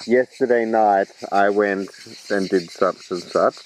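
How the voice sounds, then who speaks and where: A low-voiced man in his thirties talks as a guest in a relaxed, agreeable way. He sits outdoors in a garden hammock, and faint outdoor noise runs under his voice. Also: a little slow, rough recording. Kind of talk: casual chat.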